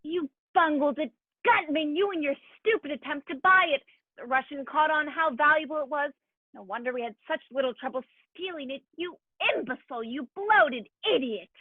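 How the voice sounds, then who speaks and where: A woman playing a fussy, excitable male criminal associate, precise and indignant, in a noir radio play. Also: high-pitched, normal speed, natural voice. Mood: scornful. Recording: thin, tinny phone-like sound.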